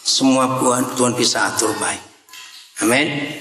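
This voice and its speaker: A male pastor preaching a sermon in a lively, joking manner, telling stories and acting out dialogue. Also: mid-range voice, measured pace. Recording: echoey hall with long reverb.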